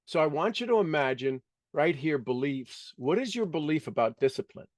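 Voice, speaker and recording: A man's voice: fairly high pitch, animated, normal speed, no echo, studio quality. A man teaching a live motivational workshop to an audience, speaking emphatically, repeating key words and dropping casual asides.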